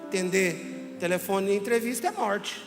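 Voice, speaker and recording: Male pastor, comic sermon storyteller, gravelly tone, long church hall reverb with faint room noise. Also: high voice, normal speed, over music. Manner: lively comic storyteller who acts out voices.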